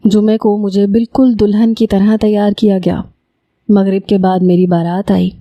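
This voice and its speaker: Mellow-voiced woman narrating a story. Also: medium pitch, dry recording. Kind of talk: first-person story narration.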